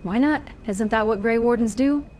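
A woman voicing a calm young elf warrior, the hero of a fantasy game, in a plain, questioning manner. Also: a little high, normal speed, natural voice. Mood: composed. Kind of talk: amateur voiced game protagonist. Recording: home microphone over game ambience.

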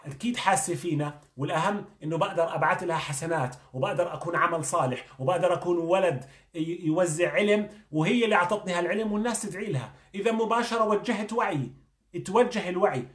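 A man's voice: high voice, fast talker. A man, a doctor giving a motivational talk, earnest and coaching, firing questions at the listener. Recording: echoey room.

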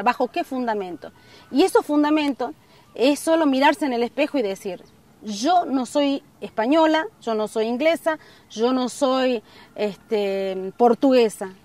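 A middle-aged woman gives an earnest outdoor interview, pausing on fillers as she works through her points. Her voice sits fairly high, and it is picked up from a bit of a distance in an open field. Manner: earnest, gesturing, many fillers. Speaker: community member interviewed. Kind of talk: documentary interview. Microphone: camera at a distance.

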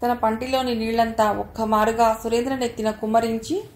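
A woman reading an audio story aloud in a measured, even narration. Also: on the high side. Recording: roomy echo, faint background noise.

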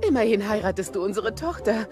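Woman as a teasing mammoth mom, lively voice, music behind. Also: mid-range voice, fast talker, close to an everyday voice. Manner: teasing, motherly. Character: warm teasing mammoth mother.

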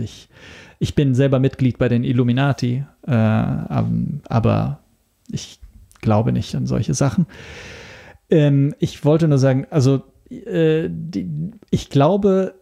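Hesitant man with a mellow voice. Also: mid-range voice, fairly even intonation, vocal fry. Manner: hesitant, searching for words, with many pauses. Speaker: podcast guest, radio drama maker. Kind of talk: casual podcast interview.

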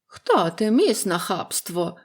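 A sullen, fretful bedridden woman of forty, speaking dryly and dragging her words out slowly, as a woman reads her part. She is from a storybook. Her complaints come out peevish and tired. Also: lowish voice, sing-song, breathy edge, heavily acted. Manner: fretful, sullen, slow and dry.

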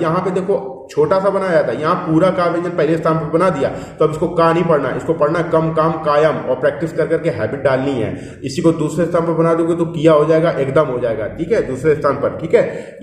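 A man teaching a shorthand class, explaining step by step and often checking that the students follow. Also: a little high. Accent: Hindi. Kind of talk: classroom instruction. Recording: echoey room, voice from far off.

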